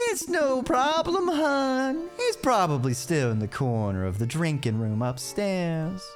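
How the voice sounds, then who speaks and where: Over clear background music, a put-on character voice at a middle pitch talks fairly slowly with hardly any pauses. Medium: virtual streamer. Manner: warm, chatty.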